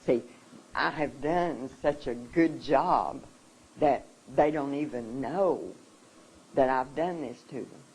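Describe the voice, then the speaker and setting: Slow emotional speaker at a seminar, keeps stopping and restarting, bit of faint room noise. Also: medium pitch, darkish tone, poor audio. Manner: emotional, halting, with frequent restarts. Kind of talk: personal talk to an audience.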